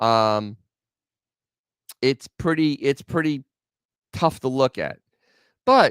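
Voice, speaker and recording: An animated tone at a fairly slow pace, on a very clean recording with a silent background. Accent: New York. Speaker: classic car show host. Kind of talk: live show commentary.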